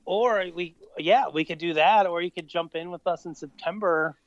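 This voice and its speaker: A man's voice: high voice, normal speed, dry recording, highs cut off. A man in his late thirties, chatting casually as a podcast co-host, easygoing and rambling with lots of fillers. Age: 30s. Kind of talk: casual chat.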